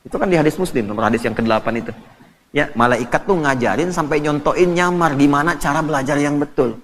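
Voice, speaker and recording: Animated preacher in a reverberant hall. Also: male voice, a little high, fast. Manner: animated and joking, lively storytelling with laughs. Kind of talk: sermon. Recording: distant reverberant hall, faint ambience.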